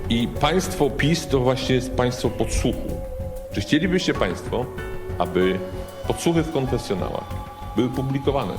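Animated male political speaker over music. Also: medium pitch, moderate pace. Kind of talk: political speech to the public. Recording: clear music behind the voice.

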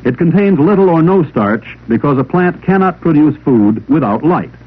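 A man reading scripted instructional narration for a 1950s classroom film in a measured, didactic way. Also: a little high, expressive, breathy edge. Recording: old 16mm film soundtrack, narrow telephone-like band.

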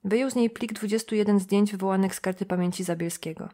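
A woman narrating an audiobook in a calm, even reading voice. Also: mid-range voice, fast. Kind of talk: scripted narration.

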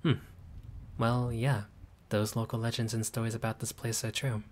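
A man's voice: medium pitch, level tone, normal speed. A man voicing a friendly, showy young male vampire who chats playfully with a guest in a scripted audio roleplay. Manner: warm, chatty, playful.

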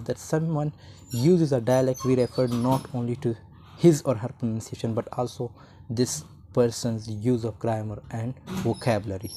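A man with a very dark, mellow voice gives a recorded lesson over slides. He reads the English text slowly, word by word, then switches to a quicker, looser explanation. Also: medium pitch. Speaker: teacher. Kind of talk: explaining from slides, reading lines aloud.

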